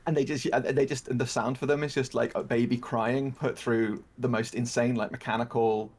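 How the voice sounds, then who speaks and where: A man chatting with a streamer friend over voice chat, riffing in a rambling, animated way full of "like". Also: medium pitch, moderate pace. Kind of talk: casual gaming chat.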